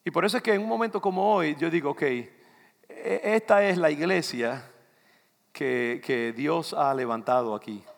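A man's voice: on the high side, moderate pace, creaky. An older man from the Dominican Republic with a Dominican accent, preaching a loose, conversational sermon that keeps turning to the congregation. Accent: Dominican Spanish. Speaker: pastor. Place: church sanctuary. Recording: long reverb of a church hall.

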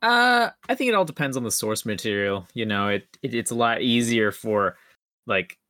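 A man in a casual podcast discussion, speaking haltingly and often repeating words as he makes his points. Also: medium pitch, expressive, bright, forceful tone, clean tone, no echo, studio quality. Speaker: podcast panelist.

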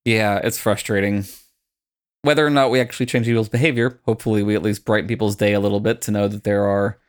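A man hosting a podcast in casual, reflective talk, choosing his words tentatively in a creaky voice. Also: on the low side. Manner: thoughtful, tentative phrasing. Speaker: podcast host.

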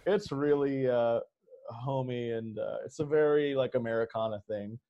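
A man's voice: mid-range voice, steady tone, normal speed, dull audio. A man chatting casually and comically as a podcast guest, rambling loosely and swearing now and then. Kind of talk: casual comedic chat.

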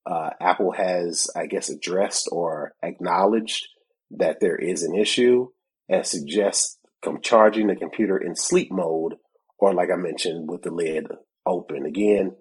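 A man's voice: deep voice, measured pace, a little mellow, breathy edge, poor audio. A man co-hosting a tech podcast in casual chat, a bit congested from a cold, who laughs often and acts out both sides of conversations. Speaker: podcast co-host.

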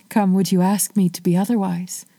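A woman's voice: medium pitch, little pitch movement, normal speed, warm tone, no echo, natural voice. A woman voicing a proud, stubborn young king. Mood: earnest. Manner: firm, declaiming.

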